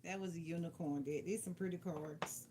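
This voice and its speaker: A tarot card reader and livestream host speaks with a lowish, steady voice at a moderate pace. Her casual reading features playful, direct advice and emphatic repetition. Clicks and obvious background noise mark the recording.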